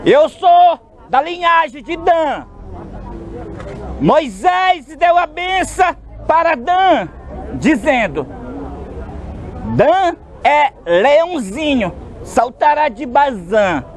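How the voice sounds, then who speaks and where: A man from Brazil with a Brazilian Portuguese accent, preaching a sermon outdoors on a city street, slow and emphatic, with sudden shouted stresses. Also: very high voice, low-quality recording.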